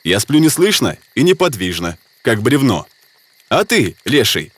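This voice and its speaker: A man's voice: medium pitch, sing-song, measured pace, no echo. A man playing a brave, determined hunter hero in a folk-tale cartoon, bold and commanding. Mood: wily. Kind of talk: animated folk-tale character acting. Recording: loud music behind the voice.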